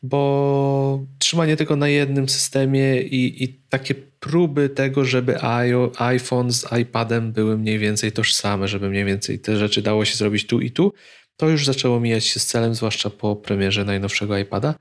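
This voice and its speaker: Podcast co-host, man, middle pitch, opinionated and talkative, speaks in long turns. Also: steady tone, moderate pace. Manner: opinionated, talks in long stretches. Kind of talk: casual tech chat.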